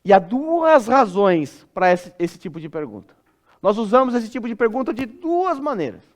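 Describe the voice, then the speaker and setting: A man with a Brazilian Portuguese accent preaching an expository sermon in a church, expressive and dropping soft and low when he acts out a parent speaking. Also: moderate pace. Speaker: pastor.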